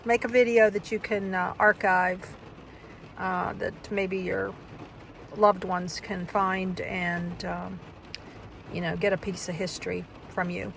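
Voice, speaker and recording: A woman's voice: medium pitch, level tone, takes it slowly, creaky, a bit bright, slight background noise. An older woman in a casual vlog, reminiscing and reading aloud in a wistful, rambling, reflective way. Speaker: vlogger. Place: inside a parked car.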